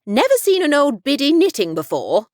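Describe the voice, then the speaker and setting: A woman voicing a crusty, sharp-tongued old woman in an audiobook, blunt, snappish and exacting. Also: high voice, wildly swooping pitch, normal speed, no room sound, studio quality, voice pushed up. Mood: gruff challenge.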